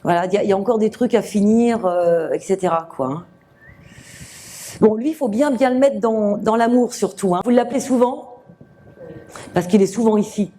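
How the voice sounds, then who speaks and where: A woman medium giving a live reading to an audience, speaking gently with many fillers and restarts. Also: mid-range voice, moderate pace, pauses often. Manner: gentle, reassuring address to the sitter.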